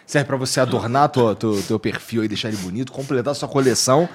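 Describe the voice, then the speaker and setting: A man's voice: medium pitch, quick pace, husky. A Brazilian man hosting a casual podcast, chatty and upbeat as he reads sponsor plugs. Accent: Brazilian Portuguese. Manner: chatty, upbeat, filler-heavy. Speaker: podcast host.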